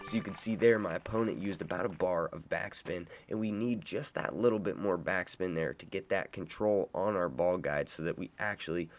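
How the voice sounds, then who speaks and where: A man with a low voice, hoarse and raspy from being sick, talks viewers through a game course. His delivery is steady and instructive, like a friendly guide. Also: brisk, hardly any pauses, slight background noise. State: hoarse from illness. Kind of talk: casual gameplay walkthrough commentary.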